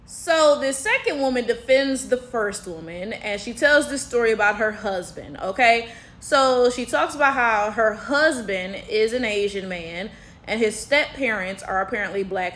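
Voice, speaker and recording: A woman's voice: mid-range voice, animated, normal speed, a bit bright, a little hiss or hum. An American woman hosting a casual commentary, explaining points step by step and checking in with viewers as she goes. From United States. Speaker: commentary host.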